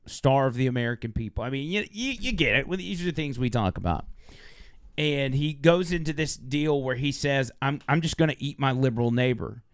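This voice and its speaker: A man hosting a podcast, chatting casually and excitedly with frequent laughs. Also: medium pitch, clean tone, no echo, studio quality. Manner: excited, laughing, quick asides. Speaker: podcast host.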